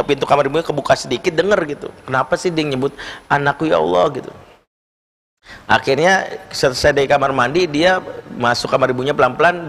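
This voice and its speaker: Man preaching in a reverberant hall. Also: medium pitch. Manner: lively storytelling, acts out quoted voices. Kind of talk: sermon with told stories. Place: large mosque hall.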